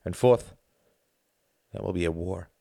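A man voicing a grey-haired older German man who is secretive, weary and grave, with a measured way of talking. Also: low-pitched, vocal fry, warm tone, dry recording, clean studio sound, full character voice.

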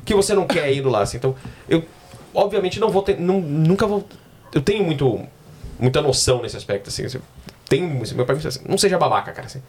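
A man's voice: on the high side, animated, fast, darkish tone, slight background noise. A man who works as a wedding celebrant, chatting casually on a podcast and telling stories with jokes and swearing. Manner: storytelling with joking asides and swearing. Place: in Australia.

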